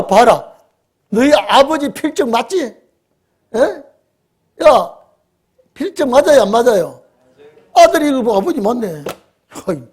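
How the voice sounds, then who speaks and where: An older man, a pastor, preaching to his congregation in a colloquial, emphatic way, constantly checking in with the listeners and swinging from loud exclamations to quiet asides. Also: extremely high pitch, breathy edge. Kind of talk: sermon. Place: church sanctuary.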